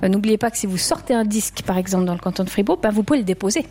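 A woman hosting a radio quiz show, chatty and leading the game with quick asides. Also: medium pitch, animated, warm tone, slight background noise.

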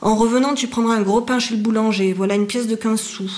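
Brief: a woman putting on a bullying innkeeper woman, shrill and loud, snapping orders in a storybook reading. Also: fairly even intonation, fast, a little hiss or hum, close to an everyday voice. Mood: grumbling. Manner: scolding, barking orders. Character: harsh, bullying female innkeeper.

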